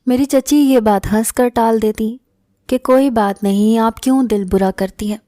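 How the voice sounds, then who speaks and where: Woman narrating, dark and mellow. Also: on the high side, dry recording, clean studio sound. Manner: steady, solemn storytelling. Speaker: story narrator. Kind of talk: scripted first-person narration.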